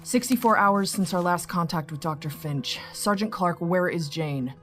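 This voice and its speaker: An actress performs a no-nonsense woman commanding police in an audio serial. Her voice sits low, brisk and authoritative, with impatience showing. Music plays faintly behind her. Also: a bit bright, close to an everyday voice. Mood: impatient. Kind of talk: audio drama acting.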